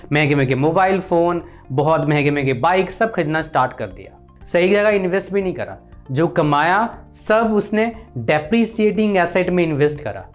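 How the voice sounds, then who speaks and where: A young Indian man, a career counsellor, speaking earnestly and directly to viewers in a lecturing advice talk. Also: on the high side.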